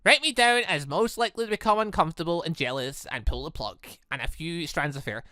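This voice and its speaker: A gaming YouTuber giving animated, exclamatory commentary while playing and reading out a visual novel game, with music playing behind. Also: medium pitch, brisk, no echo, studio quality. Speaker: gaming YouTuber, let's player.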